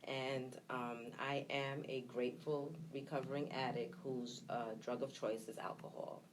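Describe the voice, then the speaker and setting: Speaking with a rumbling low voice and little pitch movement over a noisy background, a Trinidad-born, Brooklyn-raised woman gives personal testimony in an interview. As the nonprofit founder being interviewed, she comes across candid and reflective, hesitant and full of pauses.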